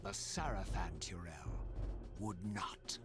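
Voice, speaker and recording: An actor playing a grim, vengeful undead wraith, narrating a game cutscene in a solemn, sardonic tone. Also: male voice, low voice, big pitch swings, slow, full character voice. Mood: grim, brooding. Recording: echoey game audio with loud music.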